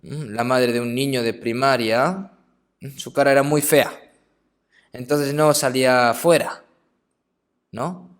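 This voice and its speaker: Speaking at a medium pitch with fairly even intonation, a man preaches in a conversational style. He regularly adds short question tags and turns softer and slower while telling stories.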